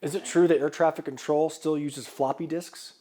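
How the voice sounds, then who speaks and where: A man's voice: fairly high pitch, fairly even intonation, normal speed, mellow. A man with an American accent working as an investigative TV news reporter, delivering scripted reports and questions. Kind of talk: scripted news narration and interviewing.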